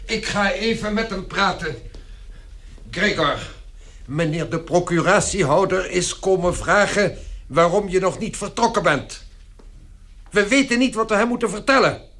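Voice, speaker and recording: A man's voice: sits high, expressive, unhurried, pauses often, fairly bright tone, exaggerated voice. A man playing a middle-aged domineering father in a radio drama, blustering and commanding, fawning before superiors. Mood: obsequious. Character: domineering father, bossy at home, obsequious to superiors.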